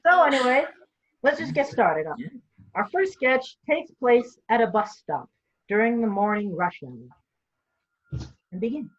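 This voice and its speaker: A man's voice: very high voice, very animated, unhurried, pauses often. A young man hosting a virtual sketch comedy show, joking about himself in a casual introduction. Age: young adult. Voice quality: jokey, self-deprecating, laughs at own jokes. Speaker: host and writer of the sketch show. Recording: somewhat dull, lo-fi sound.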